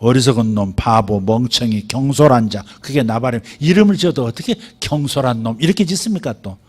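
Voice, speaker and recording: A middle-aged man preaching a sermon as pastor, animated, acting out quoted speech in a rising voice. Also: mid-range voice, fast talker, slightly rough.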